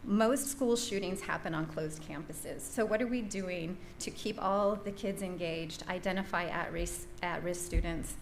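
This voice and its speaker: Woman, low voice, earnest measured advocacy, roomy echo, faint hiss. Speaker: public commenter at school board meeting. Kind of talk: prepared public comment. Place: school board meeting room.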